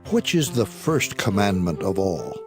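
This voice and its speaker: A man playing an earnest, respectful religious scholar, speaking deliberately in a dramatized scripture reading. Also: low-pitched, big pitch swings. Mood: earnest, approving. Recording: voice over loud background music.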